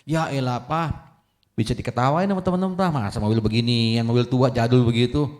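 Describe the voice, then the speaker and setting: A man's voice: mid-range voice, a little fast, darkish tone, natural voice. A man voicing a teenage boy who keeps begging his father for a new car, in a whiny, wheedling way during a sermon story. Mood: whiny pleading. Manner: whiny, wheedling, repeats "Pak".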